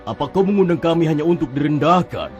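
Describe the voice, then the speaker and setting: A man's voice: a little high, lively intonation, fast, darkish tone, highs cut off, soft background music, natural voice. A man voicing a stern male tribal elder in a dubbed cartoon.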